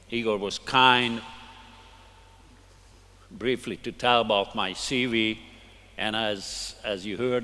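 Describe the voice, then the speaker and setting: Older Hungarian-accented male lecturer, bright tone, measured and halting delivery, hall reverb. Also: medium pitch. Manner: halting, deliberate, with many restarts. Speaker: conference speaker. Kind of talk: academic lecture. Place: conference hall.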